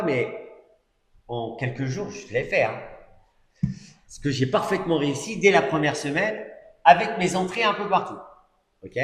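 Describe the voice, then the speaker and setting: A middle-aged man giving a sermon as a personal testimony, telling his story conversationally with asides and fillers. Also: fairly high pitch. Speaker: preacher. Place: church hall. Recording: echoey church hall recording.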